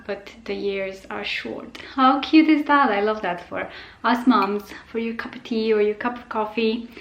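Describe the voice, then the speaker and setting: A young woman vlogs her routine in a bright, slightly high voice. She gushes warmly over small things and fills her pauses with casual "um"s. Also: echoey room. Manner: chatty, gushing, many fillers. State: pregnant. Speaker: vlogger. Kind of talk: casual vlog chat.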